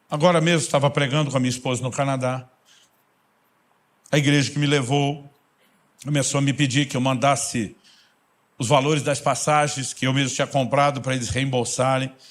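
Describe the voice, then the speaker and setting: A middle-aged man, preaching a sermon in a conversational storytelling way that sometimes sinks soft and low.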